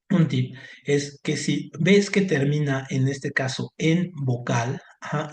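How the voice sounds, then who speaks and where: A man tutoring a student, explaining step by step, repeating words and filling pauses with little affirmations. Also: mid-range voice, darkish tone. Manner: patient, explains step by step, repeats words, frequent "ajá" and "ujú". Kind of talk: online Spanish grammar lesson. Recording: roomy echo.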